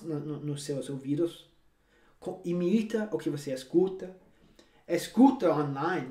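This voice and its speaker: In an echoey room, an English-speaking man delivers a language lesson directly to camera, urging the viewer along emphatically and repeating himself to coax them. His voice is a little high yet dark in tone.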